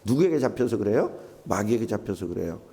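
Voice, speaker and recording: Animated preaching man, mellow voice. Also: fairly low pitch, fast talker. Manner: animated preaching, rhetorical questions. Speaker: pastor. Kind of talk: sermon. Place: church sanctuary.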